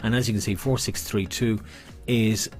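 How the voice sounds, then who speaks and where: A man's voice: lowish voice, fairly even intonation, moderate pace, darkish tone, faint music behind. A man working as a bingo caller and host, chatting jokily to players and calling numbers with playful nicknames, often repeating himself.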